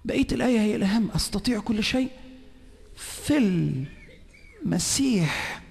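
High, gravelly Egyptian preacher. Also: male voice, normal speed, long reverb tail. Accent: Egyptian Arabic. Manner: swings between shouting and hushed whispers. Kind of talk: sermon. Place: large conference hall.

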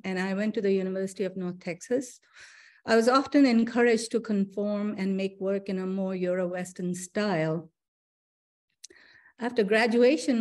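A middle-aged woman from Pakistan giving a virtual artist talk, speaking in a measured, reflective way over a video call. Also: mid-range voice, darkish tone. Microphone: video call webcam.

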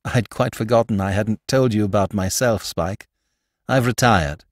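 A man's voice: lowish voice, moderate pace, no room sound, clean studio sound, natural voice. A man voicing a suave, wry retired master jewel thief in an audiobook, articulate, teasing and assured. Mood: amused.

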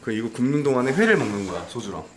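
A young man keeps up a fast, lively patter beside the vlogger, his pitch swinging widely as he talks. He sounds easygoing and ready with plans. Clear background noise sits behind his voice. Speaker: vlogger's companion. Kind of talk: casual chat.

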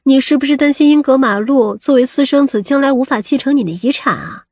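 A woman playing a sharp-tongued, suspicious woman in an audiobook, scolding and probing. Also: high voice, brisk, no echo, studio quality. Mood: scornful. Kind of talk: audiobook character acting.

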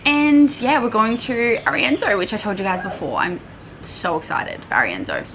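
A young woman in her twenties chatting to her viewers in a casual travel vlog, bubbly and fast to laugh, speaking to a camera on a balcony. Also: medium pitch, lively intonation, fairly bright tone, a little hiss or hum. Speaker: vlogger. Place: hotel balcony. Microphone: camera on a tripod at table.

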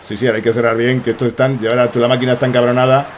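Playing a soccer game, a young streamer from Spain, Spanish accent and all, races through excitable, rambling commentary full of swearing. His voice sits mid-range, and a little hiss or hum is audible.

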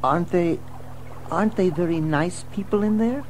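A woman's voice: lowish voice, moderate pace, darkish tone, a little hiss or hum, natural voice. A woman playing a naive, wonder-struck young mole in a children's audio drama, eager and questioning. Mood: curious, awed. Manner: eager, wide-eyed, questioning.

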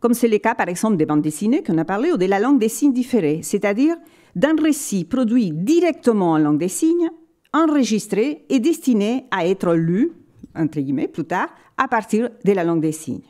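At a library conference, a woman gives an academic lecture, explaining things in a measured way and often pausing to find her words. Her mid-range voice is mellow yet very animated.

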